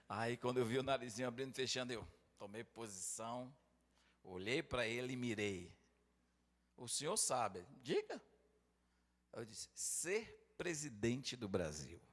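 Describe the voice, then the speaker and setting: A man's voice: mid-range voice, long reverb tail. A middle-aged man, a pastor and councilman, telling a story with laughter and acted-out dialogue. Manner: animated, laughing storyteller who acts out dialogue.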